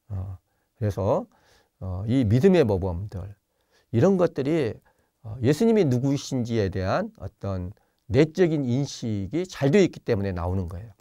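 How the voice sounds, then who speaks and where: A priest lectures over a video call. His pitch rises and falls in a lively way as he teaches gently, pausing often with soft fillers. The sound is close and dry, with no room echo. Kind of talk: online spiritual lecture.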